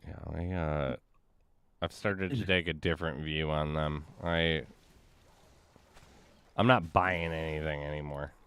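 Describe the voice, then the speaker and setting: A man with a deep voice chatting casually while streaming a game, rambling with many fillers. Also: fairly even intonation, measured pace, pauses often, fairly bright tone, clear, resonant tone. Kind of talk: casual gaming chat.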